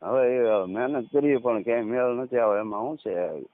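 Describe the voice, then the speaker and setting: A farmer in his thirties with a Saurashtra Gujarati accent and a medium-pitched voice calls in for a casual phone conversation, speaking haltingly in short, repeated phrases. The recording is a tinny, narrowband phone call.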